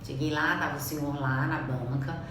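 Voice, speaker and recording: A Brazilian woman with a Brazilian Portuguese accent tells a story in a chatty, animated way, acting out the people she quotes. Her voice sits a little low. She is recorded from a distance in a very echoey room, with steady background noise. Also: moderate pace. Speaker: public speaking coach. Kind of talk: casual storytelling to viewers.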